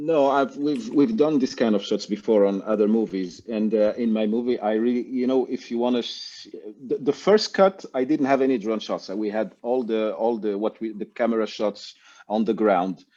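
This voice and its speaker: A man of medium pitch talks at a moderate speed, his pitch varying in an ordinary way, with noticeable background noise behind him. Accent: French. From Morocco. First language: French. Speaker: film director. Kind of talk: interview.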